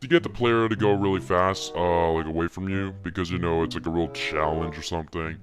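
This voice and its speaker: A man voicing an eager male robot toy in a halting, mumbly way. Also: deep voice, fairly even intonation, over music, pitched below the performer's own voice, lightly acted. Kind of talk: amateur animation voice acting.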